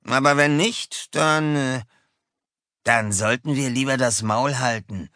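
A man's voice: medium pitch, slow, sharp tone, no echo, studio quality, pitched above the performer's own voice. A man voicing a mocking young male bully cat in an audiobook for children. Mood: gloating. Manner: sneering, mocking. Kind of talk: audiobook character voice.

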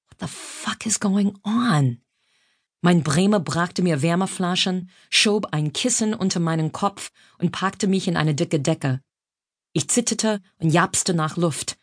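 A woman with an American accent, a native English speaker, reading her own humorous memoir in German and mixing in English phrases. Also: fairly low pitch. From United States. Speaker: author narrating her own audiobook.

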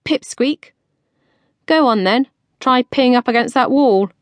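A woman's voice: a little slow, dry recording, close to an everyday voice. A woman narrator voicing a fiery young heroine. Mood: defiant. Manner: indignant outbursts, shrill when cross. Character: feisty, quick-tempered woman in her late twenties.

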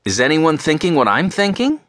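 A man voicing a steady, responsible older brother in a children's story. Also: on the high side, brisk, no room sound, clean studio sound, pitched above the performer's own voice.

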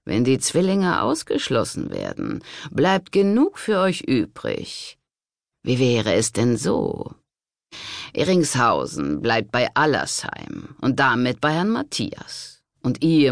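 This is a crafty, conspiring monk from a historical audiobook, voiced by a male reader. He talks slowly and smoothly in a gravelly voice. It is recorded close, in a dry space. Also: medium pitch, no room sound, heavily acted. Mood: coaxing. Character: sly scheming monk, smooth and persuasive.

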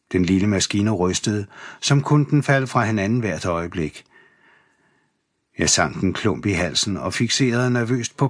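A man reading a first-person memoir aloud as an audiobook narrator, in a measured, steady voice. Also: lowish voice, slightly rough, no echo, studio quality. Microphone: close studio mic.

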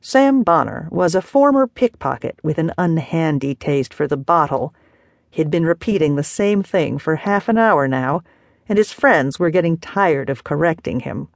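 A woman narrating a novel as an audiobook, measured and expressive. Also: low voice, vocal fry, dry recording. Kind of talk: scripted narration.

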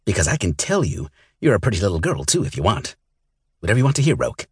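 A man's voice: fairly low pitch, big pitch swings, husky, no echo, studio quality, voice pushed up, full character voice. A man putting on a hissing old lizard alien. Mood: gruff. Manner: hissing, slow and grudging. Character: old male lizard-like alien weapons dealer, gruff and bitter.

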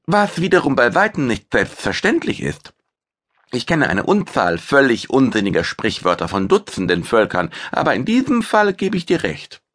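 A man's voice: medium pitch, huge pitch swings, normal speed, fairly bright tone, pitched above the performer's own voice. A male narrator voicing a small, friendly furry alien mousebeaver with an easygoing way of talking.

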